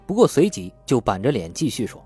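A man reads a crime novel as an audiobook. His voice has a slightly rough, husky grain and moves in animated swings of pitch. Faint music plays behind him. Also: fairly quick. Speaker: audiobook narrator. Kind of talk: scripted audiobook narration of a crime novel, acting out dialogue. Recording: faint music bed under the voice. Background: faint background music.

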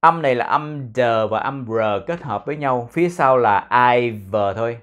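Vietnamese guy teaching english pronunciation, says the same word over and over, mid pitch. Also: animated, a bit bright. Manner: repeats words slowly for drilling. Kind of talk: pronunciation lesson with drills.

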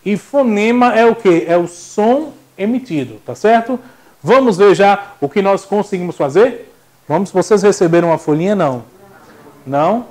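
A man's voice: high voice, moderate pace. A young man teaching a classroom lecture, joking and acting out little voices. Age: young adult. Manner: jokey and animated, acts out voices.

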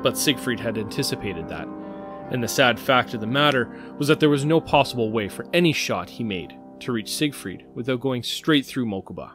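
A man's voice: mid-range voice, lively intonation, normal speed, music in the background. A man narrating an audio drama in a dramatic, scripted storytelling style.

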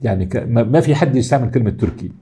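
A man's voice: medium pitch, lively intonation, racing, warm tone, breathy edge. A middle-aged man with an Egyptian accent giving an academic lecture, explaining step by step and answering his own questions. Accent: Egyptian Arabic.

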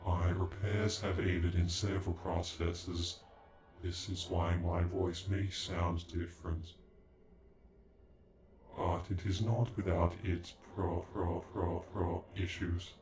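A proud, indignant android, acted by a man speaks in a very low voice with stiff formality. The sci-fi ASMR roleplay has a strong echo around the voice and music underneath. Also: flat delivery, slow pace. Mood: glitching, insistent. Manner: stilted, formal, stuttering on glitched words. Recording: echoey, with background music.

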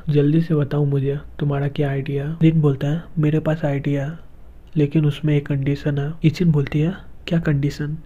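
A man narrates a manga comic as a story, reading every character's lines in his own steady narrating voice. His tone is very dark and his pitch barely moves, and the recording sounds dull and lo-fi. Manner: reads every role in one steady narrating voice. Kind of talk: scripted narration.

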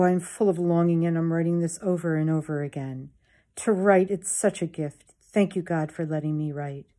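A woman's voice: on the low side, mellow. A woman in her sixties reading a diary aloud at home into a phone. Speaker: diary reader. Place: book-lined room at home. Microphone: phone at arm's length.

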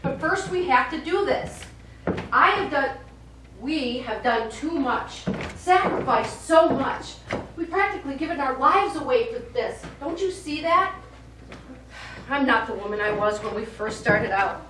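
High-pitched frantic stage diva played by a woman, distant. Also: animated, measured pace. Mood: weary, pleading. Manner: theatrical, emotional outbursts. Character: frantic, worn-out female ventriloquist unravelling before a show. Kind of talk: live stage play acting. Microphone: far camera. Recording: distant noisy echoey stage camera recording.

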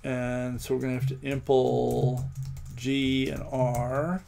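A man hosting a programming livestream, thinking aloud as he codes, with many pauses and ums. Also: medium pitch, level tone. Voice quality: gravelly. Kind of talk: live coding with commentary.

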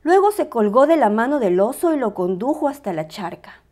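High, lively woman telling a children's story. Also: a little fast. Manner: animated, clearly dramatized reading for small children. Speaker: storyteller reading a picture book aloud. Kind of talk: expressive scripted children's story narration.

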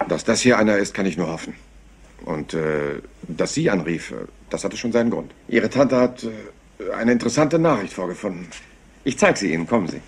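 An actor playing a polite, absent-minded police inspector who rambles apologetically and hesitantly in a crime drama. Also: male voice, fairly low pitch, expressive, moderate pace. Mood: musing. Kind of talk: dubbed TV crime drama acting.

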